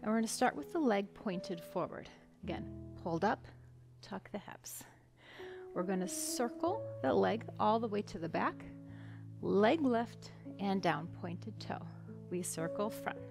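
A woman speaks at a fairly slow pace, pausing often and at length. Music plays clearly in the background. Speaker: fitness instructor. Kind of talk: workout instruction.

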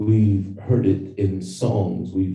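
Over a quiet background with audible room echo, a man with a fairly low, dark, mellow voice speaks at a very slow pace and sounds somewhat breathy. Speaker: preacher. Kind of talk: sermon. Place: church.

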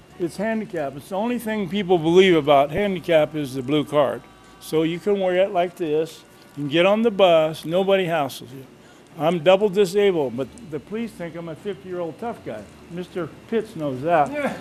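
A man with a high pitch and lively intonation talks as noticeable background noise carries on behind him. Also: moderate pace, big swings in loudness. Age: 60s. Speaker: public commenter at council meeting. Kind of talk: public comment. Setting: council chamber. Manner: rambling, jumping between topics.

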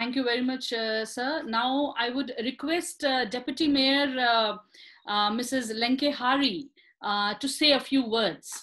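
A woman's high, bright, sharp voice at a very slow pace, with ordinary pitch variation and a quiet background. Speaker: webinar moderator. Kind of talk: formal webinar moderation. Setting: video call. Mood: warm, polite, smiling. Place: office. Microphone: video call.

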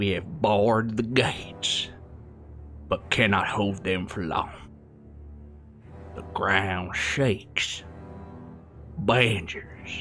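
A man does a put-on character voice with a Southern US accent, fairly low in pitch and very slow. Clear music plays in the background. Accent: American Southern. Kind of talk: comic parody dub. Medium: fan dub. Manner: angry scolding; grave, ominous reading.

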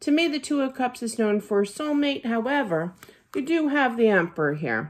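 At a moderate pace over a quiet background, a woman talks in a high pitch with very wide pitch swings. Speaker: tarot reader. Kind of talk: tarot reading commentary. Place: home room. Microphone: phone near.

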